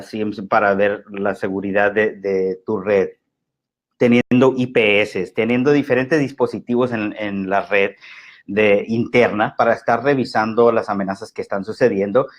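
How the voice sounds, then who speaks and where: A man with a Mexican Spanish accent, explaining security in a webinar talk, halting and full of fillers and restarts. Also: mid-range voice. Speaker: guest security expert.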